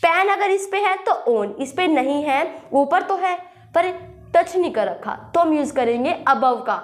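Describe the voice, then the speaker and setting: High-voiced woman teaching English grammar. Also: expressive. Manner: repetitive, checks understanding with "thik hai"; reads English example sentences slowly. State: sore throat with a slight cough. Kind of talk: classroom lesson, explaining with examples.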